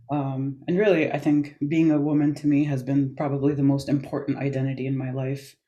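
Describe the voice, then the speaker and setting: A woman's voice: low voice, mellow, dull audio. A woman in her thirties from the US East Coast, co-hosting a podcast in an earnest, chatty way with frequent ums. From United States East Coast. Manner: earnest, chatty, laughs easily, fills with um. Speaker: podcast co-host. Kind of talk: casual podcast chat.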